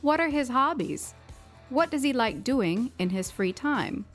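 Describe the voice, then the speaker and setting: A woman co-hosting an English-learning podcast, explaining things in a clear, friendly way. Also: high-pitched, big pitch swings, a little slow, soft background music. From United States. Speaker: podcast co-host.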